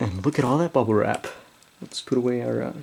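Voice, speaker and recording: The voice is quiet, set against noticeable background noise. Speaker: toy unboxing youtuber. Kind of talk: casual unboxing video.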